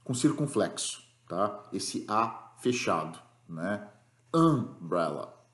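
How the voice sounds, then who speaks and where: A Brazilian man giving a recorded English lesson, talking at a middle pitch. He explains each rule step by step and keeps checking that students follow. The room around him is echoey. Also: lively intonation, moderate pace. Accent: Brazilian Portuguese. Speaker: English teacher.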